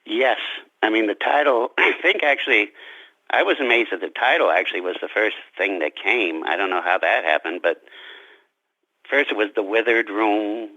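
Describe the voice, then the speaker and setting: A man being interviewed as a writer, talking reflectively about his craft in deliberate, halting phrases. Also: on the low side, sharp tone, no room sound, muffled recording.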